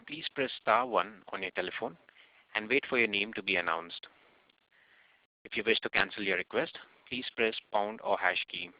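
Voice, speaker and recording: A man gives scripted operator instructions in a low, gravelly voice. The sound is dry and muffled, like a conference phone line. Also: no echo.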